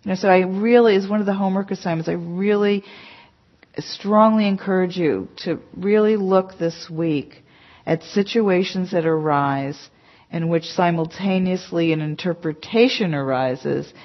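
A woman's voice: lowish voice, unhurried. Chatty woman giving a meditation talk. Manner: chatty, emphatic, full of "you know" asides. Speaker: meditation teacher. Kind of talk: conversational dharma talk to a class. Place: meditation center hall. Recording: dull lo-fi talk recording.

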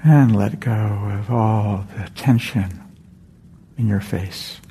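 A man leading a guided meditation in a meditation hall, speaking slowly and softly with long pauses. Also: lowish voice, slight background noise. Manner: slow, soft, with long pauses. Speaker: meditation teacher.

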